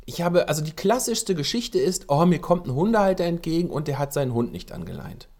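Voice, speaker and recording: Animated man giving casual dog-owner advice. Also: a little high, brisk. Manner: animated, acts out little dialogues, frequent ums and restarts. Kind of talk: casual spoken advice talk.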